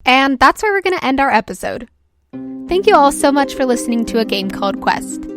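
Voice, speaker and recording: A woman's voice: high voice, sing-song, brisk. A woman hosting as game master, narrating an improvised tabletop game. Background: background music.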